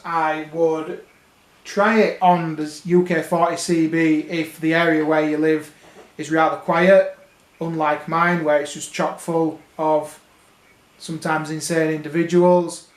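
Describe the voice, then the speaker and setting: A British man giving a casual, unscripted opinion monologue as a radio hobbyist, conversational and often rephrasing himself. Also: on the high side. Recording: roomy, echoey sound.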